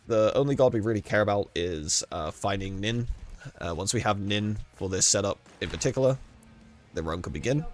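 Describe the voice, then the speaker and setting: A man's voice: on the low side, expressive, fairly quick. A man with a cold and a congested voice casually talking through a game build and run, rambling with frequent self-corrections. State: congested with a cold, losing his voice. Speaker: gaming guide creator. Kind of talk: casual gameplay walkthrough commentary.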